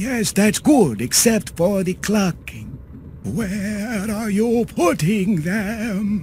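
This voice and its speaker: A man puts on a character voice pitched high for a man. He speaks at a very slow pace over clear background noise. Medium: video game. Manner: guarded, evasive.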